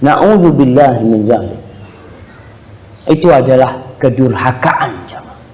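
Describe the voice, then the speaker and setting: A man preaching a sermon to a congregation in an animated way, often slipping into voices when he quotes people. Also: mid-range voice, measured pace, noisy background. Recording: echoey hall with long reverb.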